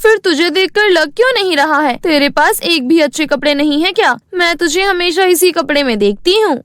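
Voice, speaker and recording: A woman's voice: extremely high pitch, expressive, moderate pace, a bit bright, dry recording, clean studio sound. A woman voicing a mean, snobbish rich schoolgirl in a cartoon story, haughty and taunting.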